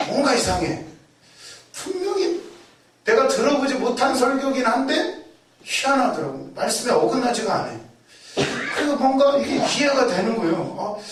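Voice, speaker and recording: High-voiced preacher man, very echoey. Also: moderate pace, a little hiss or hum. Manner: animated storytelling, acting out quoted voices and shouts; repeats key words for emphasis. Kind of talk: sermon. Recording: very echoey, mic far off.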